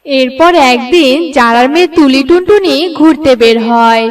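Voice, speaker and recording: A woman's voice: high voice, moderate pace, recorded from a distance. A woman reading scripted storybook narration for a children's cartoon.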